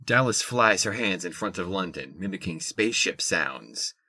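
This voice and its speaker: Guy narrating an audio drama, deep voice, kinda raspy but bright. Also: expressive, normal speed.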